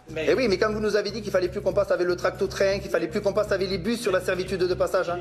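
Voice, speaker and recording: Music plays behind a man who talks very fast in a high pitch with hardly any pauses. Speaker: farmer and cabaret owner. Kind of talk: interview / heated dispute. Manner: loud; animated.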